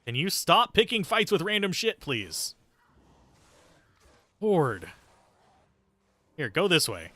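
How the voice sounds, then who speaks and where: A man's voice: a little high, wildly swooping pitch, slow, pauses often, sharp tone, no echo. A man giving casual, sweary live gameplay commentary and chatting with viewers in a sardonic, self-deprecating way. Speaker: game streamer, host.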